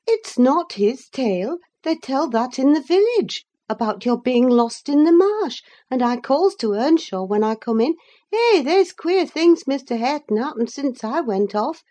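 A woman's voice: sits high, sing-song, unhurried, mellow, pitched above the performer's own voice. A woman voicing a chattering rustic housekeeper in country dialect. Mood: gossipy. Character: rustic middle-aged housekeeper woman, gossipy.

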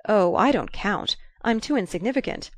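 Lady doing a reserved young guy, calm and low-key, dry close sound. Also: normal speed, no echo, close to an everyday voice. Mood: modest. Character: young man, earnest and guarded.

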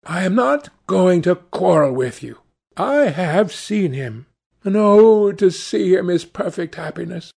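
A man's voice: high voice, expressive, unhurried, gravelly, a little mellow, slightly rough, pitched above the performer's own voice, full character voice. A man voicing a young woman in love, light and pleading in tone as she teases her brother. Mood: dreamy.

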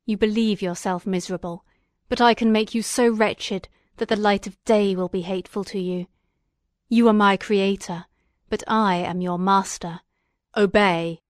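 A woman's voice: mid-range voice, steady tone, normal speed, no room sound, clean studio sound, close to an everyday voice. A woman voicing a vengeful brooding male creature. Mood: menacing. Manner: brooding, threatening. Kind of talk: audiobook reading.

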